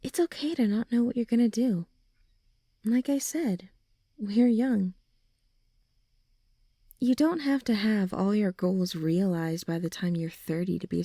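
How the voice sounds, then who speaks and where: A young woman playing a supportive, gently reassuring friend in an ASMR comfort roleplay, speaking softly and soothingly. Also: medium pitch, no room sound, studio quality. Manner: soft, soothing, encouraging, breathy sighs and chuckles.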